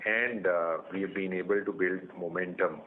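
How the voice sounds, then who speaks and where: A man with an Indian accent, a company executive explaining results in a measured way on an earnings call. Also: deep voice, steady tone. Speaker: company executive answering analysts. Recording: narrow phone line with faint noise.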